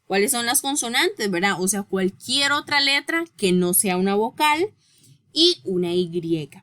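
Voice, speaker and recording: Woman, English teacher, unhurried, bright tone, patient step-by-step explanations. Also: medium pitch, lively intonation. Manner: reads English rules slowly and deliberately. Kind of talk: recorded grammar lesson.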